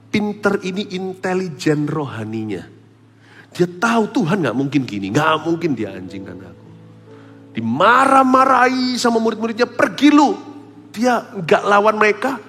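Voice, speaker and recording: A man preaching a sermon as pastor, animated, swinging between loud exclamations and soft asides. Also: fairly high pitch, unhurried. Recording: preaching hall with long reverb and faint music.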